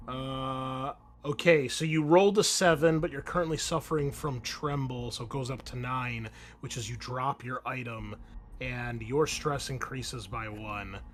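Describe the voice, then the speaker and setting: A man's voice: medium pitch, measured pace. A man running a tabletop roleplaying game as game master, explaining rules and outcomes in a conversational way.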